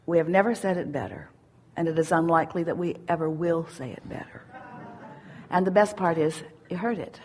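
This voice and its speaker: A woman giving a spiritual teaching at a seminar, speaking as "we" in an emphatic, drawn-out way. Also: sits low, darkish tone, a little hiss or hum. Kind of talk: channeled teaching in first person plural.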